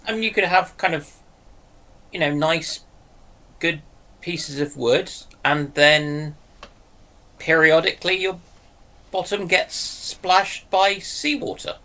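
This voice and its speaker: A man's voice: a little high, slow pace, pauses often, pushed and bright. A man chatting casually as a panellist on a live stream. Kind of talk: casual chat.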